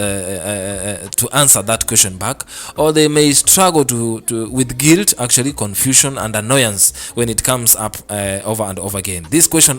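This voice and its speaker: A man's voice: mid-range voice, fairly bright tone. A man hosting a radio advice segment, speaking earnestly and repeating his points to parents and children listening. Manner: earnest, repetitive, addresses parents and kids directly. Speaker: radio show host. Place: radio studio.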